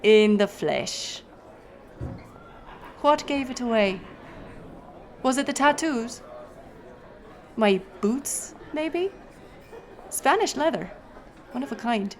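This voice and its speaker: Woman acting a bold, unhurried female pirate captain. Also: fairly high pitch, lively intonation. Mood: teasing, amused. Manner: teasing, swaggering, unhurried. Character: bold, sly female pirate captain, a notorious tavern storyteller. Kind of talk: immersive audio roleplay spoken to the listener.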